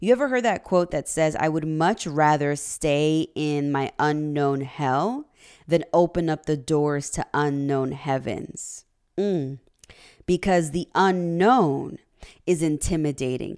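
A woman talks at a very slow pace in a very deep, low pitch with ordinary pitch variation. The recording is very clean, with a silent background. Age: 30s. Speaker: relationship coach and podcast host. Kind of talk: solo podcast monologue.

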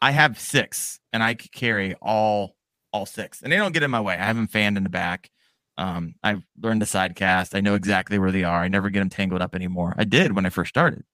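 In a very clean recording with a silent background and a dry, close sound with no echo, a man with a fairly low-pitched, bright, sharp voice talks at a very fast pace in an energetic tone with ordinary pitch variation. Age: 40s. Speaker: podcast host. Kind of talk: casual interview. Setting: livestream.

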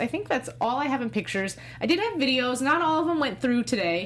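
Over noticeable background noise, a woman's high-pitched voice swings very widely in pitch. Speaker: TV after-show host. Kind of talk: casual panel chat. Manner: fast talker.

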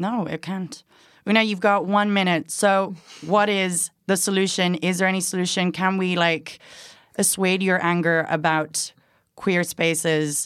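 Heard on a very clean recording with a silent background, a plain, everyday voice speaks at a moderate pace with fairly even intonation. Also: woman. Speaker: interviewer. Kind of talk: casual interview chat.

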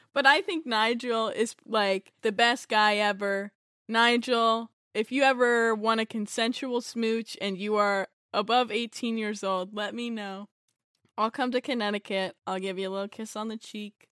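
A woman with a plain, everyday voice speaks at a fairly high pitch and fairly slow pace. Her intonation is fairly even, and the background is quiet. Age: 20s. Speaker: podcast co-host. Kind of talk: casual chat.

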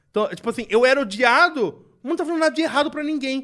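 Raising and projecting his voice, a man speaks at an extremely high pitch with a bright, sharp tone and ordinary pitch variation. His pace is very fast, and the background is quiet. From Brazil, interior of São Paulo state (Araraquara). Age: 30s. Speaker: podcast guest, content creator. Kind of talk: casual chat. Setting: studio.

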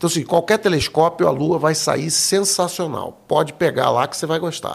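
At a moderate pace, a man speaks in a high voice. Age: 60s. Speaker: amateur astronomer and electrical engineer. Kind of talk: casual interview. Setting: studio, live broadcast.

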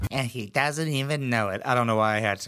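Against a silent background on a very clean recording, a man talks in an animated tone with a bright, sharp quality. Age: 20s. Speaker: YouTube reactor and commentator. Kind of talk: comedic reaction commentary, casual and profane. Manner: irreverent.

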